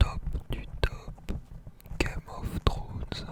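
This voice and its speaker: A woman whispering at a very slow pace, with noticeable background noise. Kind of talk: ASMR whispered talk to camera. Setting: close microphone (studio-style desk mic). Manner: whispered, close to the microphone.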